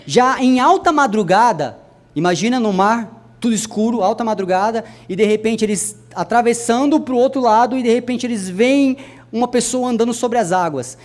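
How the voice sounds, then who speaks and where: Young man, preacher, high voice, sermon to a congregation, soft-to-loud swings. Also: animated, moderate pace. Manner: addresses the congregation directly, wide swings in pitch and loudness.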